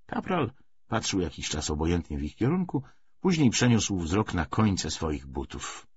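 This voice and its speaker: Male literary narrator; unhurried, varied intonation, slightly dull recording. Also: deep voice, very animated, a little hiss or hum. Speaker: audiobook narrator.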